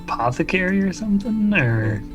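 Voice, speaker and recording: A man's voice: high voice, very animated, brisk, muffled recording, music in the background. A man talking casually as a player in a tabletop game.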